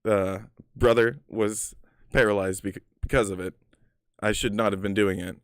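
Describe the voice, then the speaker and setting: A man's voice: lowish voice, fairly even intonation, moderate pace, no room sound, clean studio sound. A man casually telling personal stories in a rambling, profane way, full of filler words. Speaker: storyteller.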